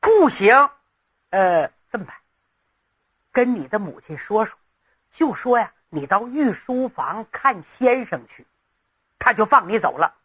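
A woman's voice: medium pitch, very animated, a little slow, long pauses, a bit bright, husky, dull audio, heavily acted. A woman storyteller voicing timid male household servants who plead and urge caution. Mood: fretful.

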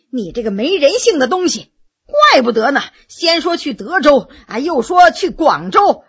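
A man's voice: very high voice, sharp tone, heavily acted. A woman voicing a hot-headed young lad who speaks through gritted teeth and threatens the man who betrayed his family. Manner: seething, threatening.

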